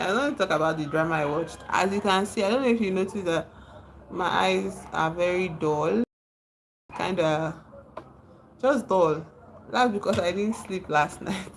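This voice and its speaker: A woman's voice: fairly low pitch, a little hiss or hum, rough recording. A woman from Nigeria with a Nigerian accent, chatting casually on a livestream, reading out and answering viewers' comments and laughing often.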